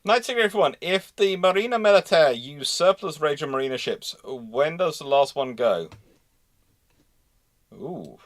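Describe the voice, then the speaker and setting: A man's voice: on the high side, expressive, measured pace. A man hosting a live history question session, talking discursively and repeating phrases as he searches for words. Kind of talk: live question-and-answer, thinking aloud.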